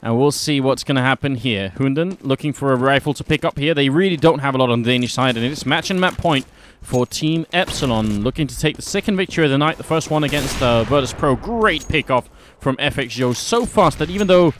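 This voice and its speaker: A man's voice: medium pitch, slight background noise. Man calling live esports play-by-play. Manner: brisk play-by-play that lifts during action. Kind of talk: live game commentary.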